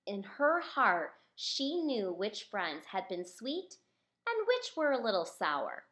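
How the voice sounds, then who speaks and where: Highly animated woman reading a storybook. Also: slow. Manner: expressive, addressing young listeners. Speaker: children's author reading own book. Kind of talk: storybook read-aloud to children.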